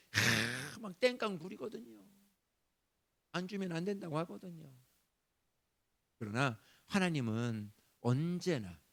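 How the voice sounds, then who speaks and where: A male pastor preaching a Sunday sermon, animated, acting out prayers in a raised voice. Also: mid-range voice. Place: church sanctuary.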